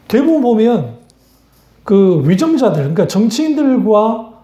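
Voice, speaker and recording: A woman pastor delivers a sermon in a blunt, talky way, often putting rhetorical questions to her listeners. Her voice is mellow and dark, with pitch that rises and falls a lot. The recording carries the echo of a roomy church sanctuary.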